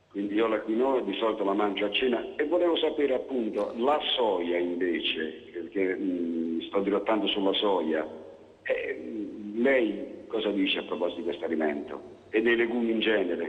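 A man with a plain, everyday voice, fairly low in pitch, at a moderate pace with lively intonation and very even loudness. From Foggia, southern Italy; southern Italy. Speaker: caller. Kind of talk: call-in question. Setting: phone call. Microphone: phone line.

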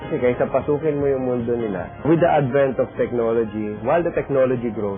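At a fairly quick tempo, a man talks in a medium pitch with ordinary pitch variation as music plays in the background. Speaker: voice actor. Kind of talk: interview answer.

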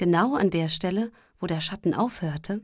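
A woman's unremarkable speaking voice at medium pitch, moderate pace and lively intonation, on a very clean recording with a silent background. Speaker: audiobook narrator. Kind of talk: reading aloud, fairy-tale audiobook narration. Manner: gentle, soothing bedtime-story pace; expressive, storyteller's lilt.

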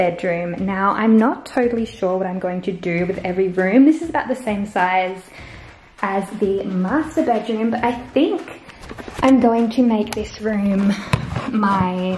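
Fairly slow speech from a woman, with ordinary pitch variation, audible room echo and light background noise. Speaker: new homeowner vlogger. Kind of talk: casual vlog chat. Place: empty room. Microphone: phone near.

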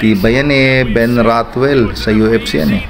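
A man is speaking with music playing in the background. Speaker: fight commentator, video channel host. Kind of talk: live sports commentary over fight clips. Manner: animated, excitable, reacting blow by blow with exclamations and laughs.

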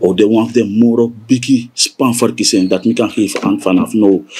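A man talks at a fairly quick pace. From Suriname. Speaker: commentator on politics. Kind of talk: interview. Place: home room.

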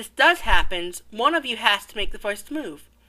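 A woman speaks at a moderate pace with a bright, sharp tone. Her pitch swings very widely. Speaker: video narrator. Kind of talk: video game machinima narration. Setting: low-quality microphone.

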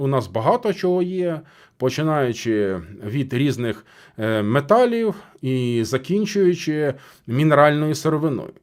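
On a very clean recording with a silent background, a man with a fairly high voice speaks fairly slowly, his pitch swinging very widely between long, frequent pauses. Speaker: political news commentator. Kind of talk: solo news commentary.

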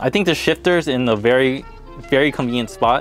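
The speech moves at a fairly quick pace over faint background music. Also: dry sound with no echo. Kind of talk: casual vlog tour. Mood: relaxed, friendly. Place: car. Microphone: phone near.

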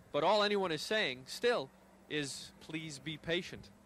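The speaker is a man with a fairly high pitch. The sound is dry, with no echo. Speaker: TV news reporter. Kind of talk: 1980 TV news report, scripted narration with on-scene interview questions. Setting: TV news report on location. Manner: formal, measured, brisk broadcast delivery. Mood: serious, measured. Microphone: handheld.

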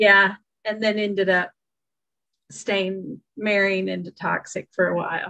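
A woman with a Southern US accent, bright and sharp in tone, flat and monotone, at a fairly slow pace with long, frequent pauses, in a dry recording with no echo and a quiet background. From US South. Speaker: class coordinator. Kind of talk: casual chat. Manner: halting. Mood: friendly, chatty. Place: home room. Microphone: video call.

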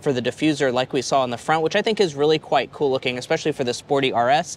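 This man speaks with ordinary pitch variation in a dry sound with no echo. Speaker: car reviewer. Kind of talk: walkaround product review. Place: hall. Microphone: lapel.

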